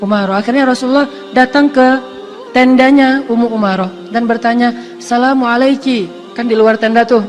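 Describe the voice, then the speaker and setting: A male Islamic preacher giving a casual storytelling sermon, lively and self-deprecating, acting out the voices of the people in his story. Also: extremely high pitch, a little fast, faint music behind.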